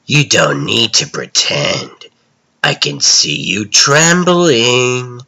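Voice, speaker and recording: A man voicing a sinister, menacing dark vigilante who narrates a comic dub in slow, ominous, gravelly storytelling with dramatic pauses. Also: mid-range voice, wildly swooping pitch, full character voice. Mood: slow menace.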